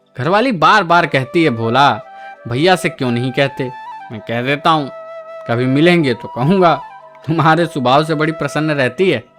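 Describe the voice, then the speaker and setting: With music in the background, a man at a fairly high pitch speaks with ordinary pitch variation. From Uttar Pradesh, India. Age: 20s. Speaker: audiobook narrator. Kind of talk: novel audiobook reading.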